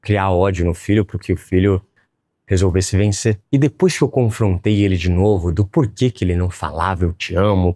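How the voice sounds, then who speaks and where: A man's voice: deep voice, warm tone, dry recording, studio quality. A man with a Brazilian accent telling a personal story in a blunt, profane, emphatic way, as a motivational speaker. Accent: Brazilian Portuguese. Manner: addresses viewers as "rapaziada". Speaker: online business educator.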